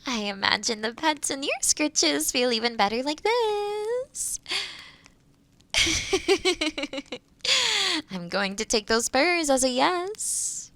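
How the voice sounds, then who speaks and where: A woman playing a kind, gentle forest witch in an audio roleplay, speaking softly and soothingly to the listener. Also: high-pitched, sing-song, slow pace, no echo, heavily acted. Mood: affectionate, curious. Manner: soothing, caring, softly breaking into whispers. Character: kind, gentle forest witch who loves helping others.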